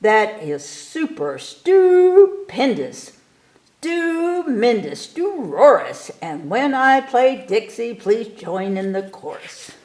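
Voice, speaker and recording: Slow-paced woman reading a children's story. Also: a little high, big pitch swings, darkish tone. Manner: theatrical rhyming delivery with stretched emphasis on key words. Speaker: story time reader. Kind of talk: expressive children's picture book read-aloud.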